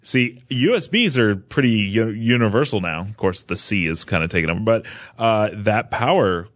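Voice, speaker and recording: A man's voice: lowish voice, expressive, normal speed, a bit bright. A man chatting casually as a panelist on a podcast. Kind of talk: casual chat.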